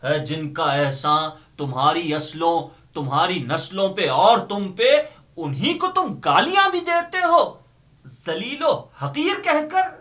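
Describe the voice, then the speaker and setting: High-pitched man, dramatic impassioned poetry recitation. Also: big pitch swings, bright, forceful tone. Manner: impassioned, declamatory, emphatic repetition.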